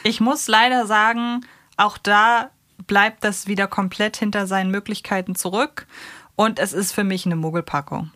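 A woman's voice: medium pitch, steady tone, moderate pace, sharp tone, no room sound, clean studio sound. A woman co-hosting a podcast, chatting casually and giving critical review commentary. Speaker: podcast co-host.

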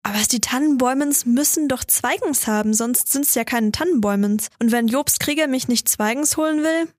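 A woman's voice: high-pitched, brisk, no echo, clean studio sound, natural voice. A woman voicing a grumpy old male carpenter who scolds in broken, old-fashioned grammar. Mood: grumbling.

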